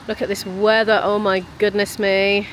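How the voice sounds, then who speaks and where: A woman's voice: medium pitch, little pitch movement, moderate pace, echoey room, a little hiss or hum, low-quality recording. A British woman vlogging casually to a handheld camera, chatty and rambling with cheerful asides. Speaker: vlogger and musician. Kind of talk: casual vlog chat. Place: venue cafe, then at home.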